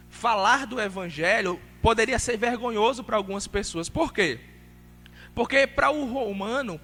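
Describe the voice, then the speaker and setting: A man with a northeastern Brazilian accent from Alagoas preaches in a church, his voice high and bright. He speaks in a friendly, conversational way that builds to emphatic preaching. Long church-hall reverb trails his words. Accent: Alagoas Northeastern Brazilian Portuguese. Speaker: missionary preacher. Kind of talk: sermon. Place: church sanctuary.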